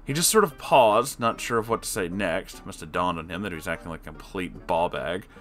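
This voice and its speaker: Guy reading a story online, lowish voice, snarky little asides, faint music under it. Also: fairly quick. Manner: sarcastic asides to the listener; lively, swings between loud and quiet. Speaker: story reader.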